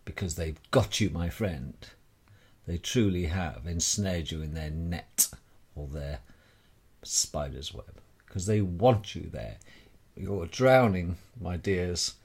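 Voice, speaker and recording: A man delivering a rambling monologue straight to the listener in a wry, theatrical manner with deliberate dramatic pauses. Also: sits low, creaky, a little mellow, slightly rough. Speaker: speaker sharing personal views.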